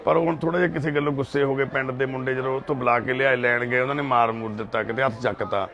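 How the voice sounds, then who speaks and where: A man with a Punjabi accent, a social worker, calmly explaining to the camera outdoors in a village. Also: mid-range voice. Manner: loud coaxing calls, then measured earnest talk. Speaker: social worker helping addicts. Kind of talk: pleading on the scene, then calm explanation to camera.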